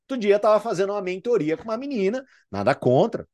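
A man's voice: sits high, sing-song, fast talker, darkish tone. Brazilian guy, sales mentor, pumped up motivational talk, keeps repeating himself for emphasis. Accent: Brazilian Portuguese. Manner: emphatic, repetitive, fired-up.

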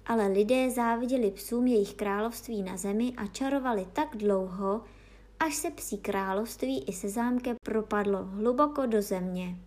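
A woman's voice: medium pitch, darkish tone, natural voice. A woman voicing an old female dog fairy who tells tales in a savouring, storytelling manner.

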